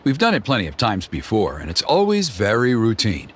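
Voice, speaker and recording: A man voicing a smooth-talking, flattering male tribal elder who persuades the heroes in a game. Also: fairly low pitch, brisk, heavily acted. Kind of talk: game voice acting. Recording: game music behind.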